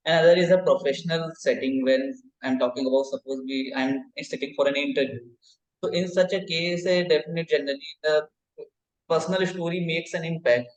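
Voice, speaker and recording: Higher-pitched Indian man in echoey room. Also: dull audio. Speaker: workshop participant asking a question. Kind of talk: spoken audience question. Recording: roomy, echoey online call.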